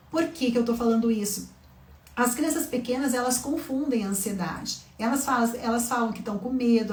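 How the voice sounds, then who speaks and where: A woman giving an online class to parents, talking conversationally and checking in with "tá?" and "né?". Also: fairly high pitch. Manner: conversational, frequent "tá?" and "né?" check-ins. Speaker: parenting educator. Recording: echoey room, voice a bit far from mic.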